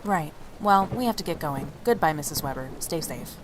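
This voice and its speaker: A woman playing a diplomatic, conciliatory young woman in an audio drama, speaking politely and in a measured way. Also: low-pitched, animated, a little hiss or hum. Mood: polite, firm.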